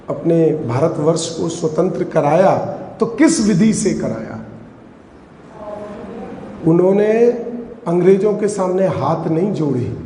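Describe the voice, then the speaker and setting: High-voiced man preaching in an echoey hall. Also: darkish tone, slight background noise. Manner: questions the listeners and answers himself, repeating phrases for emphasis. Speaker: Jain scholar giving a discourse. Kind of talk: religious discourse. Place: assembly hall. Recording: echoey hall with long reverb.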